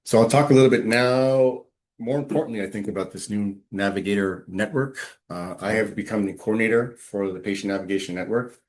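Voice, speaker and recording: Deep low guy doing a webinar talk over a video call, steady, lots of ums. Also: a little hiss or hum. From Quebec. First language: English. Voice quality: deep, measured, with frequent ums. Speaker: webinar presenter, patient navigation coordinator. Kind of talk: presentation with slides.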